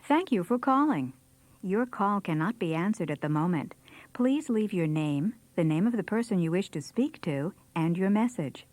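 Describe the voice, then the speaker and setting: A woman's voice: lowish voice, animated, normal speed, darkish tone, no room sound. A woman delivering scripted answering machine greetings in a performed way.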